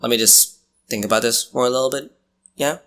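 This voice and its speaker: A man's voice: medium pitch, fairly quick, fairly bright tone. A man delivering comedic scripted commentary as a video reviewer, with an exaggerated, sarcastic, mock-exasperated manner. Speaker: manga review YouTuber.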